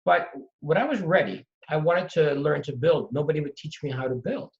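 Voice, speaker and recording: A middle-aged man from Trinidad and Tobago tells his story with lively emphasis. His voice sits a little high for a man. The audio is dull and lo-fi, as if the top end is gone. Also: moderate pace, creaky. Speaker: real estate investor guest. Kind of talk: storytelling in conversation.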